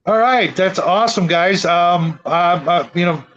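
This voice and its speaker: A man's voice: high voice, a little slow, fairly bright tone. A man hosting a casual livestream, speaking hesitantly and often repeating words, over dull lo-fi audio. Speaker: show host. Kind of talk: casual chat, livestream sign-off.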